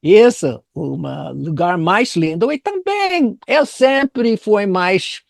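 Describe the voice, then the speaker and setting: A man's voice: high-pitched, big pitch swings, vocal fry, a crowd in the background. An older man from the United States with an American accent, a native English speaker, telling his story in an interview and often searching for words. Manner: halting, searching for words in non-native Portuguese. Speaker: business consultant interviewed as guest.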